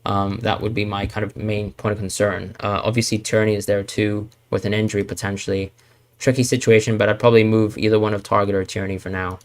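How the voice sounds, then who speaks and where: A man's voice: on the low side, level tone, brisk. A man from Hong Kong hosting a live Q&A stream, thinking aloud and hedging, with frequent fillers and restarts. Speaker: fantasy football streamer. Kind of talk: live Q&A stream answering chat.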